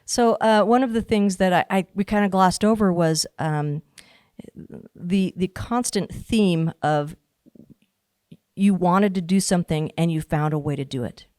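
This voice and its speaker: A woman's voice: lowish voice, a little mellow, no room sound, clean studio sound. A woman hosting a podcast, asking friendly, slightly hesitant questions. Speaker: podcast host. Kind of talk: casual interview talk.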